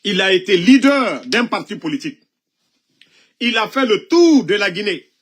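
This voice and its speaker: A man's voice: high-pitched, big pitch swings, normal speed, fairly bright tone. A man giving impassioned political commentary, coughing now and then from a cold, scolding and asking pointed rhetorical questions.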